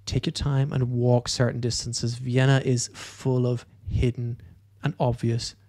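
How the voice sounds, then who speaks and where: A middle-aged man co-hosts a casual morning show in an upbeat, promotional way. His voice has a gravelly edge. The recording is dry and close. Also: medium pitch, little pitch movement, measured pace, mellow, no room sound. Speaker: co-host and moderator.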